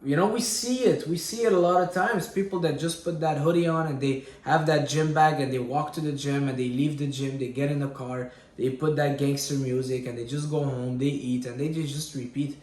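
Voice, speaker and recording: A man's voice: on the high side, fairly even intonation, fairly quick, hardly any pauses, a little mellow, reverberant. A man in his late twenties, from Syria, speaking candidly to camera in a personal vlog, often repeating himself and adding fillers as he searches for words. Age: 20s. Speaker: fitness vlogger. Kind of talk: personal reflective monologue.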